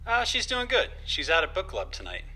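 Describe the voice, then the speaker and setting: An actor playing a worried, protective older father in an audio drama, gently cautioning and a little hesitant. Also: high voice, wildly swooping pitch, brisk, full character voice. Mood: easygoing. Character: worried, protective older dad, homebody tinkerer. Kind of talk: naturalistic audio drama acting.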